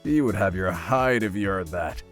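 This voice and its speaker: A man's voice: sits low, normal speed, faint music behind, lightly acted. An actor playing a courteous, formal male reaper escort in a visual novel game, with a mannered way of speaking. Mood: wry, formal.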